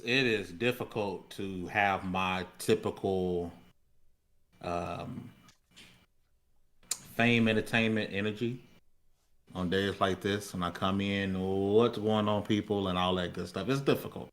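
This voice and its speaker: A grieving man hosting a livestream, speaking in a halting, subdued, heartfelt way. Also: low-pitched, fairly bright tone. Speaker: show host.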